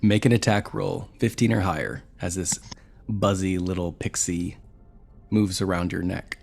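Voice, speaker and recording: Male game master, low register, narrating a tabletop role-playing session. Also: fairly even intonation, a little slow, gravelly, darkish tone, soft background music.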